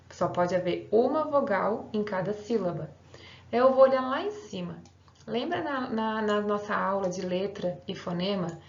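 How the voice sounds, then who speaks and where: A woman's voice: mid-range voice, darkish tone. A woman teacher giving a recorded online grammar lesson, explaining patiently step by step and checking in with her students. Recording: roomy, slightly dull home recording.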